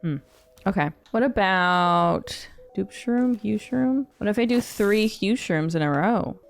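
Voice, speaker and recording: A woman's voice: medium pitch, animated, slow pace, gravelly. A woman streamer narrating a cozy game as she plays, chatty, giggly and talking to herself. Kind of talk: cozy game let's play commentary. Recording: faint background music.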